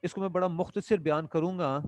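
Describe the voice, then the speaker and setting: A man giving a classroom lecture. He reads English lines slowly, then explains each one at length in Urdu. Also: sits high, steady tone, no room sound.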